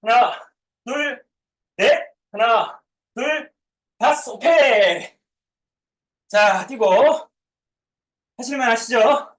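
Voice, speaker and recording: A woman gym coach leads a live group workout, counting reps and giving short commands and cues. Her fairly high voice is extremely slow with frequent pauses, recorded far from the mic in an echoey room.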